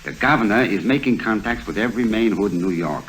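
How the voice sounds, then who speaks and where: A man's voice: lowish voice, expressive, fast talker, a bit bright. An actor playing an evasive gangster henchman in an old radio drama, answering questions with questions. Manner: answers questions with questions, odd grammar. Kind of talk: 1950s radio drama acting. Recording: old vintage radio broadcast.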